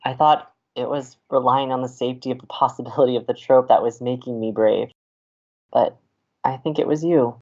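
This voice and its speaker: An actor playing an earnest, smitten young man who co-hosts college radio, speaking in a halting, tender, teasing way in an audio romantic comedy. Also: mid-range voice, steady tone, a little mellow, lo-fi sound, lightly acted. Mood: nervous, tender. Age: young adult.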